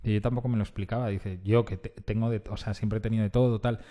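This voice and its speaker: A man co-hosting a radio show, relaxed and wry, laughing readily. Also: lowish voice, quick pace. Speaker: radio co-host. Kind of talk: casual banter.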